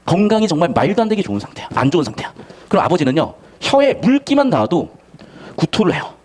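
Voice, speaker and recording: A man's voice: on the high side, big pitch swings, quick pace, darkish tone, a little hiss or hum. A man teaching a literature lesson to students, talking bluntly in slang and acting out the characters' lines. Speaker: Korean language and literature tutor. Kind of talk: lively lecture to students.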